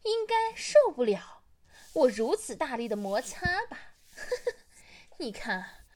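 A woman's voice: sits high, very animated, slow, exaggerated voice. Woman acting a cursing, taunting young brawler. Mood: angry. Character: foul-mouthed young woman in a catfight. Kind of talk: amateur audio role-play.

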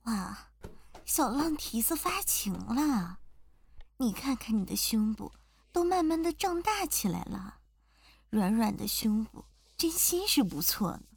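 A woman's voice: a little high, big pitch swings, vocal fry, breathy edge, no room sound, heavily acted. A woman voicing a cruel, mocking young woman rival in an amateur audio role-play. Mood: teasing. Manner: mocking, drawn-out sneers.

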